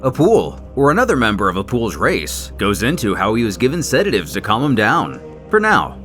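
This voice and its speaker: A man's voice: mid-range voice, wildly swooping pitch, a little fast, fairly bright tone. A man narrating a scripted story in a dramatic, theatrical manner. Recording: music under the voice. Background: music.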